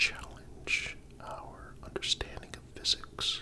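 A man is speaking. He whispers. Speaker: ASMR creator. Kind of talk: educational ASMR narration about cosmology. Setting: ASMR video, close-mic studio style. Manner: calming, whispered narration. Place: home room. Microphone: studio mic.

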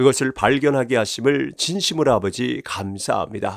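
An unremarkable speaking voice from a man at medium pitch, with lively intonation and a moderate pace, comes through in a very clean recording with a silent background and a dry, close sound with no echo. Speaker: pastor. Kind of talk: fervent intercessory prayer. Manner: earnest, pleading, rhythmic.

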